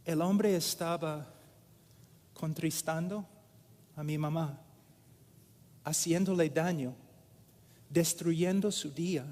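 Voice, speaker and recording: Slow emphatic male preacher, reverberant hall. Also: a little high, a little mellow. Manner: slow and emphatic, repeating phrases. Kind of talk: sermon.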